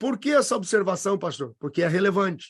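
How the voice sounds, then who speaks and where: Against a quiet background, a man speaks in a high pitch. His voice makes very wide pitch swings. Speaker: pastor and bible teacher. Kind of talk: bible teaching lesson.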